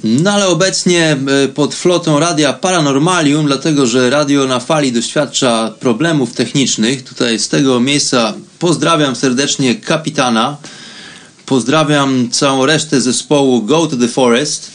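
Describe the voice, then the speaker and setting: A man's voice: mid-range voice, moderate pace. A man from Poland hosting a radio program, speaking in an informal, chatty and reflective monologue, taking his time over his phrases.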